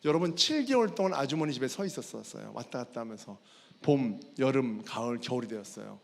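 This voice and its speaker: A man's voice: medium pitch, expressive, a little fast, vocal fry. A fitness trainer giving a personal faith testimony at a school chapel service. He tells the story with animation and keeps calling out to the audience. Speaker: fitness trainer and guest speaker. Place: large worship hall. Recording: long hall reverb.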